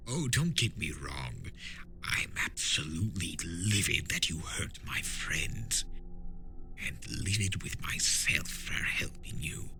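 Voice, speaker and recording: A man's voice: low-pitched, big pitch swings, slow, vocal fry, pushed and bright, slight background noise, voice pushed down, heavily acted. A man voicing a mischievous chaos spirit from a cartoon, theatrical and swooping in delivery. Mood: sincere, remorseful. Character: mischievous male chaos spirit, mocking yet remorseful. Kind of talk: dramatic fan fiction reading of a cartoon trickster.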